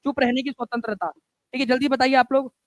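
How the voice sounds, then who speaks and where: A man's voice: very high-pitched, fairly even intonation, fairly quick, dry recording, clean studio sound. A male teacher running a live online exam-prep class, chatty and repetitive, often checking in with students. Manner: chatty, repeats key points with frequent "theek hai" and "friends".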